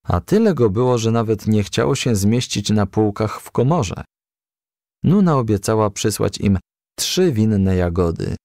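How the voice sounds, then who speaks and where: A man narrating a children's storybook in an expressive, scripted reading style. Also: fairly low pitch, a little slow, no room sound, studio quality. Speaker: audiobook narrator.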